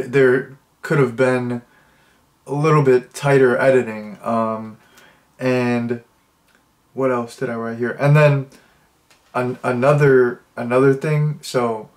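A young man with a stuffed-up nose casually reviewing a movie, rambling with many restarts and fillers. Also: medium pitch. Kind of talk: casual spoken review, thinking out loud.

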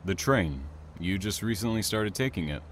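A man playing a reserved, bookish train worker in an audio drama, speaking formally, measured and dry. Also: low-pitched, expressive. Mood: polite, reserved. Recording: clear background ambient noise.

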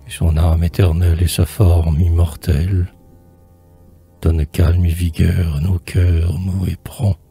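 A man's voice: low voice, little pitch movement, measured pace, gravelly, warm tone, husky, faint music behind. A man reciting poetry in a solemn, theatrical manner, drawing out phrases and at times sinking toward a whisper. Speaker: poetry reader.

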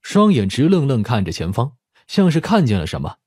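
A man's voice: medium pitch, huge pitch swings, brisk, darkish tone, breathy edge, dry recording, clean studio sound. A man reading a dramatic scripted audiobook narration.

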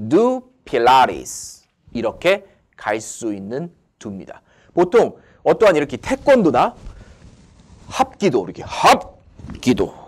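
A male English teacher with a very animated voice that swoops up and down. He talks slowly and reads each English example with deliberate care. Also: medium pitch. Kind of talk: online English lesson.

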